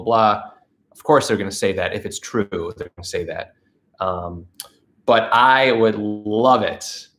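A man's voice: fairly low pitch, fairly bright tone. Stuffed-up man chatting on a livestream. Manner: chatty, upbeat, reads out viewer messages. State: stuffed-up nose from allergies. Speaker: channel host. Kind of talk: casual livestream chat. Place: living room with a couch, indoors. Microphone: camera facing him at close range.

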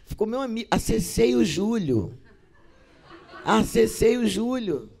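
A woman's voice: a little high, measured pace, vocal fry. A middle-aged Brazilian woman, an actress and poet, telling stories to theater students and acting out the voices in each exchange. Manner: acts out dialogue with shifting voices, expressive and theatrical. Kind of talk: lively storytelling talk.

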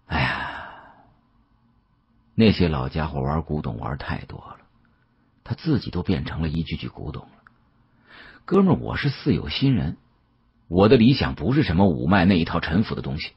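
A male narrator acts out a young audiobook rogue, heir to an antique family, glib but bitter underneath. His slangy, sighing talk is very raspy and swings widely in pitch. The sound is a little dull. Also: big pitch swings, moderate pace, long pauses, heavily acted. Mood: heavy, wistful. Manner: colloquial Beijing slang, sighing.

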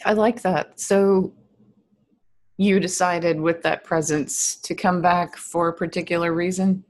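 A woman's voice: lowish voice, steady tone, a little slow. A woman hosting a conversational interview on a video call, affirming and clarifying what her guest says. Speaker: interviewer and host.

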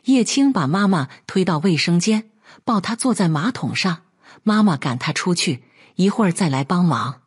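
A woman narrating a family drama as a storyteller, in calm scripted narration. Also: fairly low pitch, moderate pace, husky.

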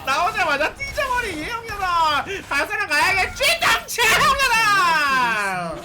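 A man streaming a game, yelling catchphrases and cackling through excited live commentary. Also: extremely high pitch, slow pace. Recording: loud noisy game stream.

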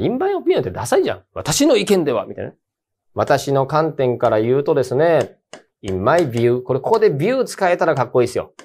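A man's voice: medium pitch, darkish tone. A man teaching an English grammar lesson for university entrance exams, talking in a casual, emphatic, colloquial way. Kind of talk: casual exam-prep lecture.

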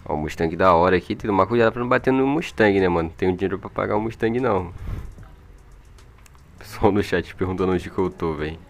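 A man with a low-pitched voice talks fast as he gives chatty, slang-filled commentary on a game. He has a Brazilian accent and creates gaming videos; background music runs behind his old microphone.

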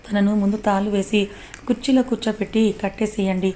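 A woman voicing a decisive young woman who gives quick orders. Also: mid-range voice, steady tone, mellow, a little hiss or hum, close to an everyday voice. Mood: commanding. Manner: brisk, commanding.

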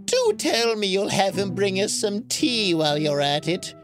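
Woman doing a mocking evil old wizard, storybook villain, swooping and slow. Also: mid-range voice, big pitch swings, faint music behind. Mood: sneering. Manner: haughty, sneering, theatrical.

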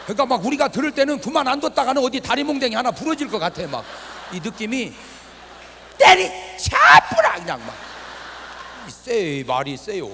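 A man's voice: extremely high pitch, expressive, fairly quick, a bit bright, a little hiss or hum. A male pastor preaching at a revival meeting, joking and quizzing the congregation with questions. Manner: humorous, teasing the congregation with questions. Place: church hall at a revival meeting. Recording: reverberant hall from a TV broadcast.

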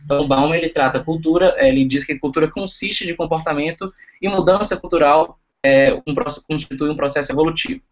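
Young guy lecturing over slides on a video call, lots of ums and restarts, kinda dull audio. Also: on the high side. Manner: halting, frequent fillers and restarts.

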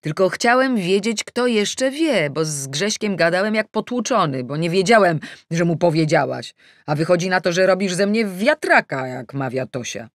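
Exasperated male fiancé voiced by a woman reader: teasing, reproachful, animated delivery, dry audiobook recording. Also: on the low side, moderate pace, dry recording, lightly acted. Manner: questioning, reproachful. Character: exasperated, teasing adult man, the heroine's fiancé. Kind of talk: acted audiobook dialogue.

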